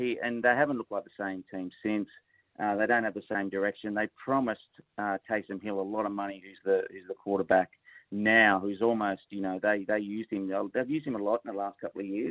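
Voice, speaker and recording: A man with an ordinary speaking voice, fairly low in pitch and fairly even in intonation, moving at a fairly quick pace. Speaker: NFL commentator. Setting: phone call.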